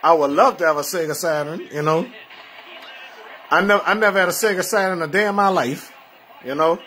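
A man hosting a casual home livestream, rambling with many repeats and soft trailing endings. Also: fairly high pitch, a little fast, a little hiss or hum. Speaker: livestream host. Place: home, indoors.

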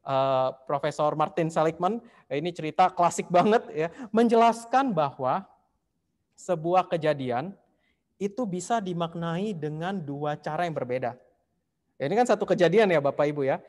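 Man speaker with a high voice, lively storytelling, long hall reverb. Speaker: speaker at a temple talk series. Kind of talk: storytelling talk. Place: large temple hall.

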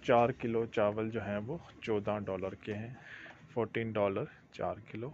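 A man's voice: on the low side, fairly even intonation, a little slow, lo-fi sound, slight background noise. A man filming as he walks through a grocery store, explaining prices, costs and profit step by step in a casual way. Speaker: vlogger touring a grocery store. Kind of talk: casual walk-through narration. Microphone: handheld phone camera.

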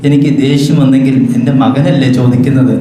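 A man's voice: medium pitch, steady tone, brisk, warm tone, a little hiss or hum. A man giving a formal public speech at a library event, telling stories in an oratorical way. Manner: oratorical storytelling. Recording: very echoey hall with long reverb.

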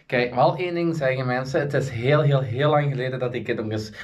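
A man in his thirties with a Flemish accent, chatting casually to his vlog camera in halting phrases. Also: mid-range voice. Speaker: vlogger. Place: indoors at home, rooms and bathroom. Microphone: camera at arm's length or a few steps.

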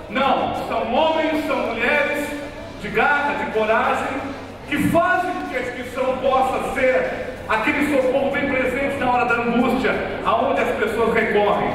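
A man in his forties orates from a podium in a big council chamber, rousing and rhetorical, hammering home repeated phrases. His voice sits very high, and it carries through a strongly echoing room. He is picked up from a distance, with a crowd audible behind him. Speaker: city councillor speaking at a session. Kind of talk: formal speech at a podium. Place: large council chamber, indoors. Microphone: podium microphone heard from afar. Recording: echoey chamber from far off with crowd.

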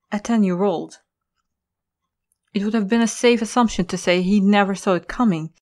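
A woman reading scripted story narration as the narrator of an audio drama. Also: mid-range voice. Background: music.

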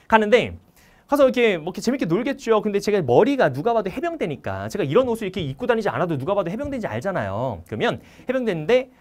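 A male history instructor telling anecdotes at a fast clip, and his pitch leaps around as he acts out the people in them. His voice sits a bit high for a man. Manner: animated, acts out dialogue. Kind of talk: anecdotal storytelling talk.

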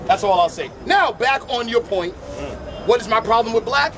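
A middle-aged man debating outdoors on a city sidewalk, speaking into a handheld mic in a measured, lecturing way that repeats its phrases. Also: very high voice, lively intonation. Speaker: street debater. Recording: noisy outdoor street recording. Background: crowd and traffic noise.

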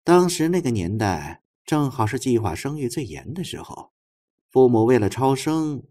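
An earnest, knowledgeable female investigator in an audiobook, read by a man with a husky voice. The delivery is explanatory and emphatic, with animated intonation. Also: mid-range voice, moderate pace. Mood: briskly reporting.

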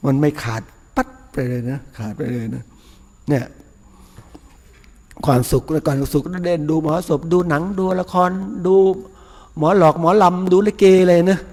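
A fairly high, darkish voice at normal speed, ringing with a long reverb tail, belongs to a Buddhist monk preaching informally in a temple hall before eating. His talk is chatty and folksy, peppered with chuckles and questions he doesn't expect answered.

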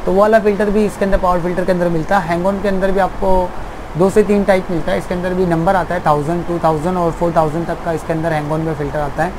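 A man's voice: sits high, level tone, quick pace, background noise. A young man who runs an aquarium shop, explaining at length in a casual, repetitive way, seated in his small shop.

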